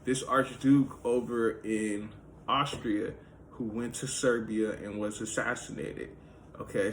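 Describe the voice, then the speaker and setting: A man's voice: lowish voice, fairly bright tone, a little hiss or hum, poor audio. A man talking through history in a loose, casual monologue, full of "like" and "you know" fillers. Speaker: history video host.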